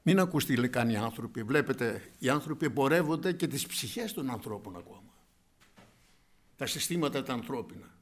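A man preaching a fervent sermon, speaking directly to his listeners as brothers and swinging between quiet asides and loud outbursts. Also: medium pitch, lively intonation.

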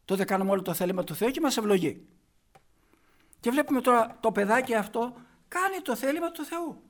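A man delivers a sermon in a very high voice. He preaches emphatically and keeps putting rhetorical questions to his listeners. He drops into hushed asides and then comes back loud on the points he stresses.

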